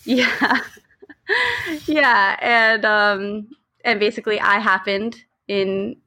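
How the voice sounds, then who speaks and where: Originally a Spanish speaker, this thirty-something Long Island woman speaks with an American accent while casually sharing stories as an interview guest. She takes her time, with a steady, medium-pitched voice. Her tone is bright and forceful.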